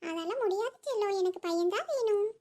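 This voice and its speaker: A woman's voice: lively intonation, a little mellow. A woman voicing a young pregnant wife in a cartoon, longing for her husband who has been away. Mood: longing, teasing. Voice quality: very high and quick. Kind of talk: cartoon voice acting.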